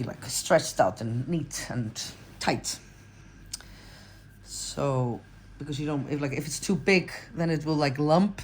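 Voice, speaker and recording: Icelandic lady in her 40s, low voice, rambly chatty crochet how-to, lots of ums and restarts. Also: slight background noise. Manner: chatty, rambling, self-correcting with fillers. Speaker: crochet pattern designer. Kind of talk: casual how-to tutorial.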